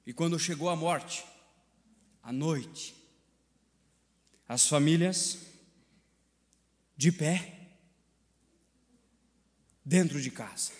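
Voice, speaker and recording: A man with a Brazilian Portuguese accent preaching a sermon in a church, swinging between shouted climaxes and low, hushed passages in a repetitive preaching cadence. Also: drawn-out words, pauses often, big-room sound. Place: church sanctuary.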